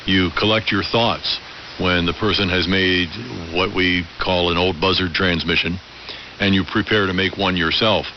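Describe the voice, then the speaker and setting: A middle-aged man with a lowish voice talks reflectively over AM ham radio. He is articulate and unhurried in his storytelling, speaking in long conversational turns. The sound is muffled and band-limited, with loud hiss throughout. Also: fairly even intonation. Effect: AM ham radio transmission. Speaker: amateur radio operator.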